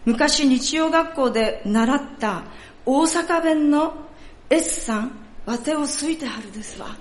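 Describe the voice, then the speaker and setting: A woman's voice: high-pitched, a little slow, roomy sound, pitched above the performer's own voice. A woman voicing a frail, earnest churchgoer over ninety who speaks in a Kansai dialect and pleads plaintively. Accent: Kansai dialect, put on.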